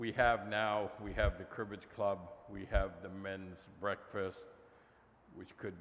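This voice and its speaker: At a very slow pace and with fairly even intonation, a man speaks in a fairly low voice over light background noise. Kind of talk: announcement to congregation. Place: church. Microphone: lapel.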